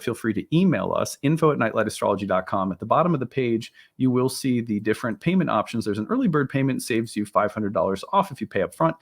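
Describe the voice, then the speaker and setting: A man in his thirties, a little hoarse from a cold, hosting a relaxed, rambling talk about astrology. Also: medium pitch. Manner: relaxed, rambling, with many fillers and restarts. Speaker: astrology teacher and channel host. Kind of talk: casual solo talk to camera.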